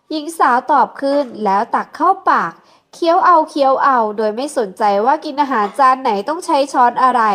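Woman narrator, high-pitched, steady scripted reading. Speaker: audiobook narrator.

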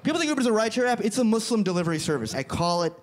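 Animated young man doing stand-up. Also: high voice. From Florida, US. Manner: animated, quick punchlines, acts out other voices. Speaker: stand-up comedian. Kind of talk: stand-up comedy set. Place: comedy club stage before a live audience. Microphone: handheld mic.

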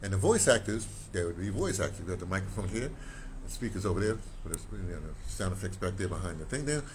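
An older man with a low, sing-song voice talks quickly in a casual walk-and-talk vlog, rambling, repeating words and gesturing as he explains. He's a vlogger on audio drama, showing his small home and then a sunny outdoor patio. It's filmed on a phone camera held at arm's length, with clear background noise.

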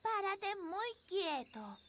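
Very high-pitched little fairy princess. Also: female voice, drawn-out words, a little hiss or hum, exaggerated voice. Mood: eager. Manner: childlike, expressive. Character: sweet, eager little fairy princess girl. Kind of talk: children's cartoon dub in Spanish. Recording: music behind the voice.

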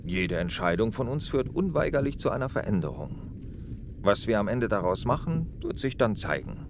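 A middle-aged actor playing an easygoing, wry police detective on a night train, calm and paternal. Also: male voice, moderate pace. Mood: gentle. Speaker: police detective in a radio crime play. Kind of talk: radio drama acting. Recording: train rumble under dialogue.

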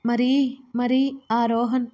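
A woman voicing a distressed young woman who speaks softly and haltingly, close to tears. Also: fairly high pitch, level tone. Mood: anxious. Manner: soft, halting, tearful.

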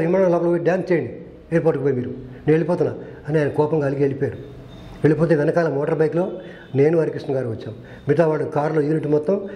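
In an echoey room, an older male film director recounts earnest anecdotes from past shoots, voicing the people's dialogue as he goes. His voice is fairly high-pitched and warm.

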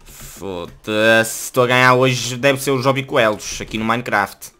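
A young man with a European Portuguese accent, hosting a casual gaming video and yelling and swearing when a fight starts. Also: mid-range voice, measured pace, clear, resonant tone.

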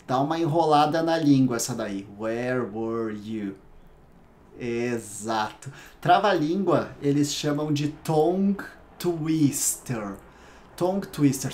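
Slow, patient Brazilian English teacher. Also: male voice, a little high, a little mellow. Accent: Brazilian Portuguese. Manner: patient, repeats English words slowly to demonstrate sounds. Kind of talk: private English lesson.

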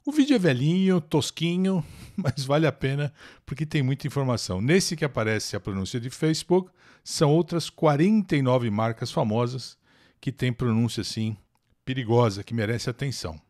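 A Brazilian man hosting a live English lesson, chatting with viewers by name and stretching out words slowly to drill their pronunciation. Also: mid-range voice, animated, darkish tone. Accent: Brazilian Portuguese. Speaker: English teacher and channel host. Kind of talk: live lesson, reading and translating an article.

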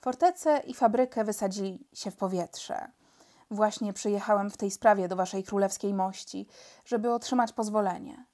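A woman's voice: medium pitch, moderate pace, close to an everyday voice. A woman reading a storybook, voicing a courteous, mild-mannered male spy chief. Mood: persuasive. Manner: mild, courteous, gentle-spoken. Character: elegant polite male spy chief, calm.

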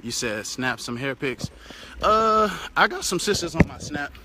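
A man's voice: on the high side, big pitch swings, a little slow, background noise. A young American man with an African American English accent, chatting loosely on a phone at arm's length while cycling on an outdoor road, swearing casually. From United States. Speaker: vlogger. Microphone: phone held at arm's length. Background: passing cars.

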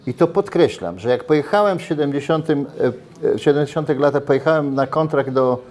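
A man's voice: fairly high pitch, brisk. An older man in a casual interview, talking animatedly with many restarts, recorded on a lapel mic in a brick-walled restaurant. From Poland. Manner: animated, gestures while talking, frequent restarts. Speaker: interviewee, former footballer.

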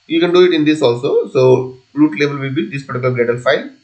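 A man presenting an unscripted software tutorial, talking haltingly as he thinks through each step aloud. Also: medium pitch. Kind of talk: unscripted screencast coding tutorial.

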